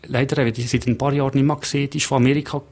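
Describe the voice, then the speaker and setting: A middle-aged man with a gravelly, creaky edge to his voice, a French native speaker talking in a radio studio. He tells his stories warmly, leans hard on key words and restarts his sentences now and then. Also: medium pitch, little pitch movement, racing. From Geneva, Switzerland. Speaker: hotelier, radio guest. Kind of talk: radio interview.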